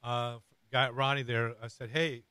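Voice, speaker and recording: Man, middle-aged, radio host, raspy, hoarse, earnest rambling, dry close sound. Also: medium pitch, flat delivery, measured pace, pushed and bright, no echo. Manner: earnest, rambling with many fillers and restarts.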